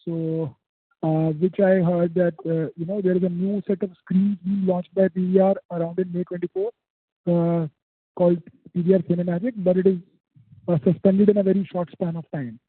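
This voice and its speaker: High-voiced Indian man calling by phone. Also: flat delivery, normal speed, breathy edge, no room sound. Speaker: analyst caller asking questions. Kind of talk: earnings call questioning. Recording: dry, tinny narrowband phone line.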